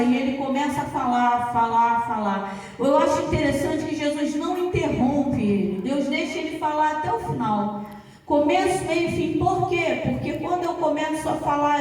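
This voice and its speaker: A woman pastor gives a sermon in a conversational, storytelling way. Her voice sits high. It comes from well back from the mic, with a long, echoing church reverb. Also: darkish tone. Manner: conversational storytelling preaching, addresses listeners by name. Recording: echoey church hall, distant mic.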